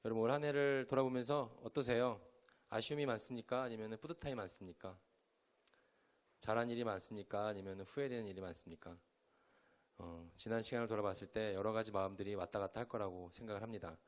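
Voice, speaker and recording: A man's voice: on the low side, quick pace. A young male pastor from Chungcheong, South Korea, giving a conversational sermon to a youth group in a church hall and quizzing the listeners with questions.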